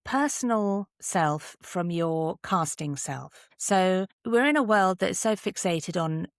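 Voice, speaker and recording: A woman's voice: fairly low pitch, expressive, slow pace, no echo, studio quality. A woman speaking conversationally as an interview guest, giving candid, emphatic and encouraging advice. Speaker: podcast guest, actor and drama teacher.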